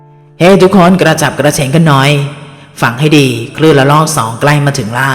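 A man's voice: medium pitch, normal speed, in a large hall, faint music behind, natural voice. A man doing a decisive expedition leader. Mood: urgent. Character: male expedition team leader, decisive and caring.

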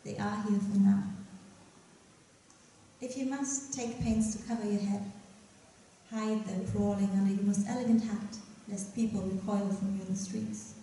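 A young woman poet giving a reading at a lectern on a dark stage, chatty and giggly between her poems and measured as she reads them. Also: medium pitch, fairly even intonation, slight background noise. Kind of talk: poetry reading. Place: dark stage at a festival event. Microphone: stand mic at a lectern. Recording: roomy hall, mic from a distance.

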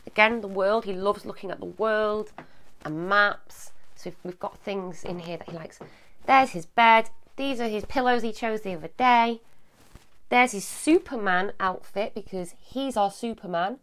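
A woman in her thirties hosting a casual live advice talk for autistic kids at home, loud and quick to get sidetracked. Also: medium pitch. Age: 30s. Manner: animated, loud, jumps between topics. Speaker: advice show host. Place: at home, walking through a child's room.

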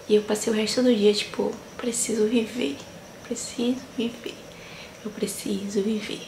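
Her voice fairly high and slightly mellow, a twenty-something woman speaks heartfelt, reflective vlog talk to a camera held close, often checking in with her audience. Fillers like "sabe" and "né" recur, and the small indoor tiled room adds echo and faint noise.

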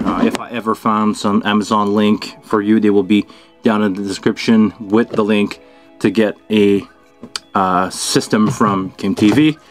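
A middle-aged man casually hosting a product unboxing and review, thinking aloud in an informal way as he goes. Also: lowish voice. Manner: informal, thinking aloud while handling gear. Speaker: video host, product reviewer. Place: small indoor studio at a table.

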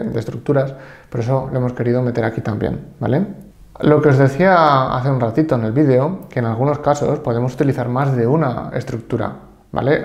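A man's voice: mid-range voice, mellow, echoey room. Spanish man teaching Japanese, patient. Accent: Spain. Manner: explains patiently, repeats example sentences slowly, checks in with "¿vale?". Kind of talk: online language lesson.

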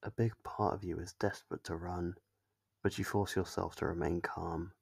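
A man narrates a scripted ASMR horror story in the second person. His voice is deep and gravelly with a husky edge. The recording is close and dry. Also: steady tone, normal speed, no echo. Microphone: close, dry microphone.

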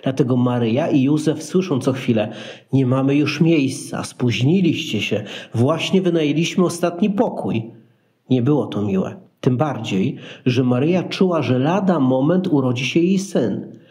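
A man's voice: mid-range voice, animated, normal speed, dark tone. A man narrating a Christmas radio play in a scripted storytelling style.

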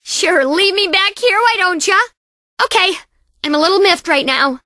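This is a cocky young girl bandicoot from a racing video game. Her voice is extremely high and bright, swinging animatedly up and down. She sounds perky, sassy and boastful, in full cartoon style. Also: animated, moderate pace, no echo, studio quality, exaggerated voice. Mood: miffed. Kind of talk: video game character voice lines.

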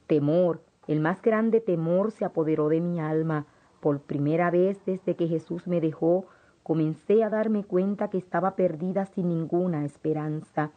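A woman's voice: fairly low pitch, unhurried. A woman narrating a first-person audiobook in a solemn, intense manner, in a dull, lo-fi recording.

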